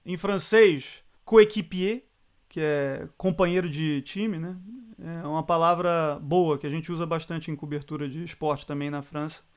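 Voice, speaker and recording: High-voiced man, animated. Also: measured pace, clean tone. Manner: animated, laughs often, switches into other languages. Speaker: guest, sports journalist. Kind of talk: casual interview chat.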